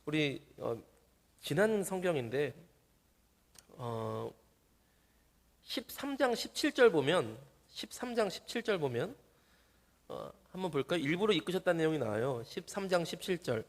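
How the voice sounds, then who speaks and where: Animated male pastor preaching. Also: on the high side, normal speed, pauses often. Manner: animated, acts out quoted voices. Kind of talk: sermon.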